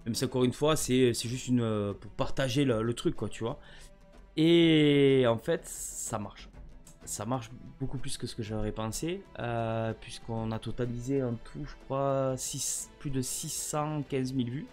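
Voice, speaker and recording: A man's voice: medium pitch, unhurried, darkish tone, soft background music. A French man chatting casually to camera about a gift, often rambling and stammering over his words. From France. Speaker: gaming vlogger.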